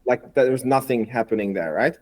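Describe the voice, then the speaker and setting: Mellow-voiced man from Hungary, chatty. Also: mid-range voice, a little fast. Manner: chatty, repeats words, slightly non-native phrasing. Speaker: guest, investor and YouTuber. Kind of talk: casual podcast conversation.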